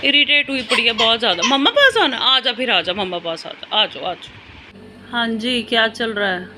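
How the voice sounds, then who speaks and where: A woman's voice: a little high, animated, brisk, bright, forceful tone. A mother, vlogging casually at home at night and coaxing and soothing her children. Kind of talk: casual home vlog talk. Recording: noisy home phone recording.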